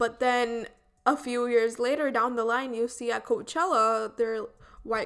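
Her voice fairly high, a woman talks at a fairly slow pace with fairly even intonation. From India. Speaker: podcast co-host. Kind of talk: casual chat.

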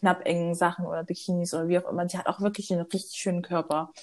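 Her voice fairly low for a woman, she speaks in a monotone with flat intonation. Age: 20s. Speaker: podcast co-host, office clerk. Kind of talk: casual chat.

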